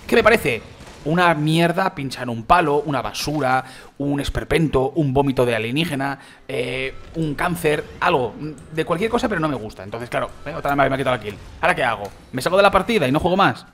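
A young man with a Spain Spanish accent doing excitable gameplay commentary, swearing and exclaiming loudly. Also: a little high, quick pace. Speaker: gaming youtuber.

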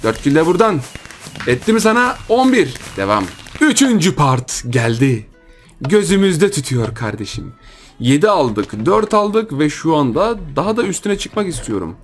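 Excitable young man commentating gameplay. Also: on the high side, normal speed, faint music behind. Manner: jokey, excitable, talks to viewers and opponents. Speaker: gaming YouTuber.

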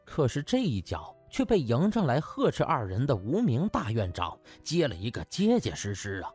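A man narrating a comic audiobook in a theatrical, colloquial storyteller's manner with a husky voice. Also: mid-range voice, huge pitch swings, moderate pace, a little mellow, soft background music.

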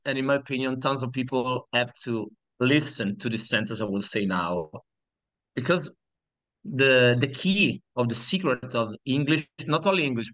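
A man's voice: mid-range voice, a bit bright. A man in his thirties speaks with a strong Italian accent, his voice recorded close and dry through a webcam with no room echo. He talks frankly and with emphasis, pressing his points in a casual chat. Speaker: guest musician. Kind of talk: casual video-call interview. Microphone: laptop webcam on video call.

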